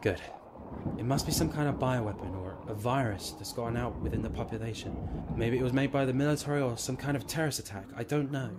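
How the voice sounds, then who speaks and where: A man's voice: mid-range voice, fast talker, close to an everyday voice. A man playing a curt, grave soldier explaining a zombie outbreak in an audio drama. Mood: grave, insistent. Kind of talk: amateur audio drama acting. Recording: noisy amateur recording.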